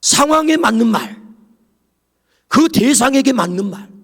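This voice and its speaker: A male pastor delivers a sermon with a high, animated voice that swoops up and down. There's a husky edge to his tone, and he drops into whispers for quoted lines. The sound carries a long reverb from the church sanctuary. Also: unhurried.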